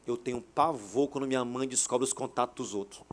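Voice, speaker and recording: A man in his thirties preaching a sermon at a church service, animated, acting out quoted dialogue. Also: medium pitch, brisk, a little hiss or hum. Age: 30s. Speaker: pastor. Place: hotel auditorium church service.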